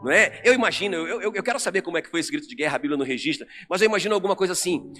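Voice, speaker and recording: A man with a Brazilian Portuguese accent preaching an animated sermon to a congregation in a church. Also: high voice, rapid-fire. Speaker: pastor. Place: church sanctuary. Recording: long church reverb with music under.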